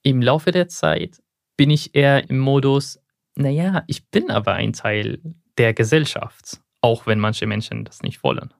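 Thoughtful and at times hunting for words, a young Syrian guest responds to interview questions in German, a language not his first, with some slips. His medium-pitched voice is creaky and unhurried, captured at studio quality with no room sound.

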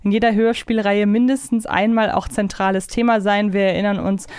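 A woman co-hosts a podcast in a casual, conversational way. Her voice is smooth and clear, and it sounds dry, with almost no room around it. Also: mid-range voice, level tone, brisk, darkish tone, dry recording. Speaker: podcast co-host. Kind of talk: casual chat with a co-host.

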